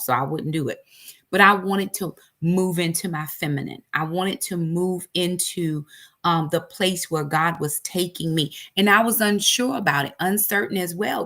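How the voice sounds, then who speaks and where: A woman's voice: lowish voice, fairly bright tone. A woman, telling a personal faith story in an emphatic, preacherly way, full of repetition. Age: 40s. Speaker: ministry host. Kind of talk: personal testimony.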